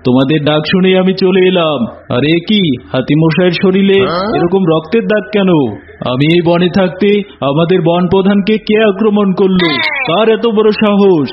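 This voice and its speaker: A man's voice: high-pitched, moderate pace, lightly acted. A man voicing a scheming, boastful, two-faced old tiger watchman in a cartoon, in a theatrical manner. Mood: feigned innocence. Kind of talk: cartoon voice acting. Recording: muffled audio with music bed.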